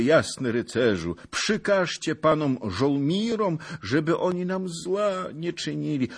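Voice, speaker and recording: A man's voice: medium pitch, breathy edge, pitched above the performer's own voice, full character voice. A man voicing a humble, white-haired old peasant in a storybook, pleading and obsequious in manner. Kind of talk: dramatised audiobook of historical novel.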